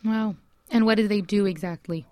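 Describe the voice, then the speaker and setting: A woman's voice: mid-range voice, fairly even intonation, normal speed, warm tone, dry recording, clean studio sound. A woman asking questions as an interviewer in a casual, conversational way.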